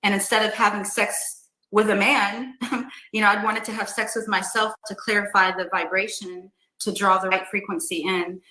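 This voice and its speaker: Bright-voiced woman in her fifties. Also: medium pitch, little pitch movement, normal speed, roomy sound, low-quality recording. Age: 50s. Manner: earnest, stammering restarts. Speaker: podcast guest. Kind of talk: casual interview answers.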